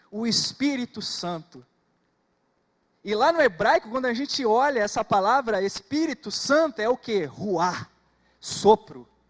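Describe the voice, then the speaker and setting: At a fairly slow pace, a man with a high pitch speaks with lively intonation in a dry, close sound with no echo. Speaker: church history teacher. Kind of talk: bible study lecture. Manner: animated.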